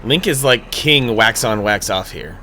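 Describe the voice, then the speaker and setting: Animated, joking man streaming a game. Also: lowish voice, measured pace, soft background music. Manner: playful, sarcastic, jokey, swears casually. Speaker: streamer playing a video game. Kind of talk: live gameplay commentary.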